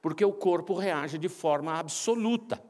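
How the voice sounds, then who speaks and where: A man's voice: high voice, moderate pace. A middle-aged man with a Brazilian accent preaching a humorous sermon, telling personal stories and acting out the voices of the people in them. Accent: Brazilian Portuguese. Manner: animated, acts out quoted voices, self-mocking jokes. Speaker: pastor. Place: large church sanctuary. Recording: church hall reverb.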